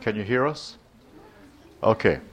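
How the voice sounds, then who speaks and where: Low-voiced man chairing a public meeting. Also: very animated, a little slow. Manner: calls on speakers, brief prompts.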